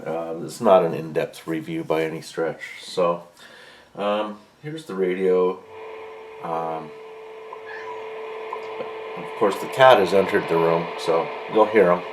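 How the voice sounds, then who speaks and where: A man giving a casual, unscripted product review as a hobbyist, halting and mildly grumbling, pausing mid-sentence. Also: sits low. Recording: faint background room noise.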